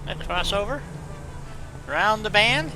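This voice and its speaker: A man's voice: sits high, lively intonation, unhurried, background noise. A man chatting casually with a viewer while playing a game on stream, rambling in a folksy way and leaning on "you know.".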